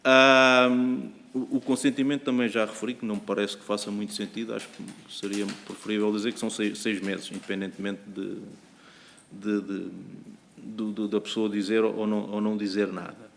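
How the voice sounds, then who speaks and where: Hesitant Portuguese law professor, low voice. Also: male voice, level tone, normal speed, creaky, a bit bright. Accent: European Portuguese. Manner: hesitant, repeats words while searching for terms. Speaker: law professor testifying at a parliamentary hearing. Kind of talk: formal expert testimony. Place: parliamentary committee room. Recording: echoey hearing room.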